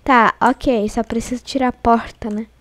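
A young Brazilian woman giving casual let's-play commentary, excitable and scared, chatting to her viewers. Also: fairly high pitch, normal speed, background noise. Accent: Brazilian Portuguese. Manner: excitable, frightened exclamations and chatty asides to viewers. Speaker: gaming channel host.

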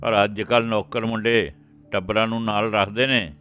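A man voicing an older village grandfather in an audiobook, worried and earnest, raised well above his usual pitch. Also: steady tone, normal speed, a bit bright, smooth, faint music behind, natural voice. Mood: earnest deliberating.

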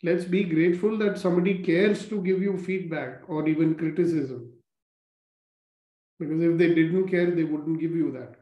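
A man leading a guided gratitude meditation, speaking slowly and calmly with repeated phrases. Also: a little high. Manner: slow, calm, repetitive instructions. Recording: roomy, dull lo-fi recording.

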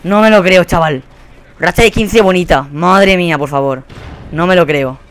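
Foul-mouthed young Spanish gamer ranting. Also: male voice, high voice, smooth. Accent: Spanish from Spain. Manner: swearing, exasperated, quick to rage-shout. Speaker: gaming commentator. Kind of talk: live gameplay commentary. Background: faint gunfire from the game.

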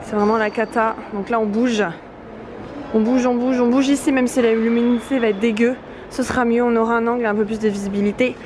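A woman's voice: a little high, fairly even intonation, a little fast. A young woman talking to a handheld camera in a casual, chatty, self-mocking way, laughing often as she walks through a busy convention hall. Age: young adult. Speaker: artist vlogger. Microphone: handheld camera at arm's length. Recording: noisy crowded convention hall. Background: loud crowd chatter.

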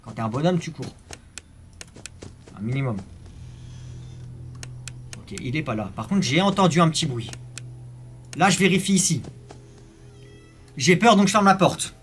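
A young man commentating a horror game live, swinging from startled yells to hushed muttering, full of slang. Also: a little high, animated, measured pace, long pauses, soft background music. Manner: French street slang. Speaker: gaming youtuber.

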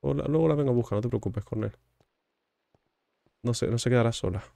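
A man talking his way through a game, cracking jokes at the characters and muttering asides. His voice sits at an ordinary pitch and is recorded close and dry, with no room sound. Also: brisk, vocal fry, dark tone, no echo. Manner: joking, teasing, chatty with game characters. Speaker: gaming streamer. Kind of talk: casual gameplay commentary.

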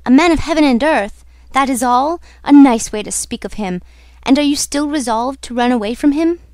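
A woman's voice: high voice, fairly quick, a little mellow, dry recording, clean studio sound, voice pushed up, lightly acted. A woman voicing an ardent, jealous young man in a storybook, speaking in an urgent, challenging, dramatic way. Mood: jealous, scornful. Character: ardent, jealous young male suitor, impatient and protective.

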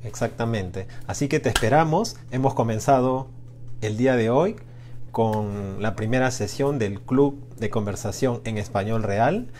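A man's voice: medium pitch, a little slow, darkish tone. Male Spanish-teacher host, encouraging, hesitant with fillers, slight background hiss. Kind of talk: live-streamed language lesson chat.

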